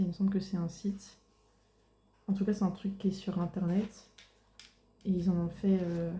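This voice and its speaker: A young woman speaking softly in a casual ASMR style, musing aloud in a hesitant, unhurried way. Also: on the low side, echoey room. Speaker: ASMR creator. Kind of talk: soft-spoken ASMR, casual commentary.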